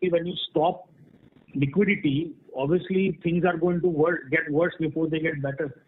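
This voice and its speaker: This company executive has a slightly high voice, fairly even intonation, and a moderate pace, coming through a muffled, band-limited conference call line. Answering analysts during an earnings call Q&A, he explains things frankly and spontaneously, frequently tacking on "right?"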